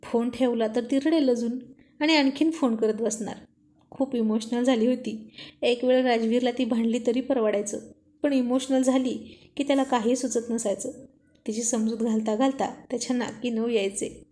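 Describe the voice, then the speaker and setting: A woman narrates a romance story with a slightly high voice. Her reading is intimate and unhurried, in a plain storytelling style. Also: steady tone, mellow.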